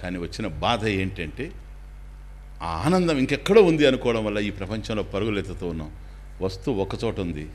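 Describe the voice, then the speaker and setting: Animated swami giving a discourse. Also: male voice, mid-range voice. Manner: animated, acts out anecdotes, drops English phrases. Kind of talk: spiritual discourse with storytelling.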